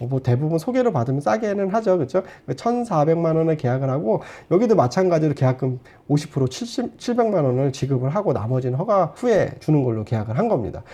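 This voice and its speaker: A man speaks very fast in a fairly high voice with a dark, mellow tone. His pitch swings very widely. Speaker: building construction consultant. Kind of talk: tutorial. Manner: many filler sounds.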